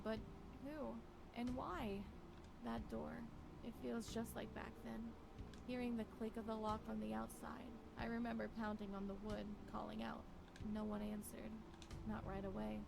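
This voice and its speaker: A woman playing a lonely, regretful wife in a visual novel, wistful and brooding, with deliberate phrasing. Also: fairly high pitch, fairly even intonation. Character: Violet, lonely regretful wife wandering a forest. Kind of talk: scripted visual novel monologue. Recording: clearly noisy, with ambience behind.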